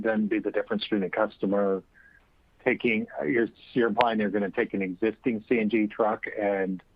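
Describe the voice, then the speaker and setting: Over a narrow, tinny phone line with a dry sound, a low-voiced man speaks as a financial analyst. He puts probing questions in a halting, unscripted way, assembling them as he goes. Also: slightly rough, no room sound. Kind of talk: earnings call questioning, spontaneous. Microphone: phone call.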